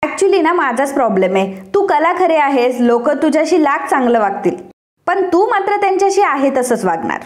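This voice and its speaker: A woman's voice: high voice, sing-song, moderate pace, reverberant. A woman voicing a stern, irritable young businessman in a retold TV serial, with a scolding manner. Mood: angry.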